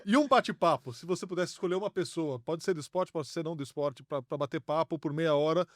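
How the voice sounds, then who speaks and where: A man hosting an interview show, asking questions and chiming in with quick affirmations. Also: on the high side, dry recording, clean studio sound. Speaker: interview host. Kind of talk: casual interview chat.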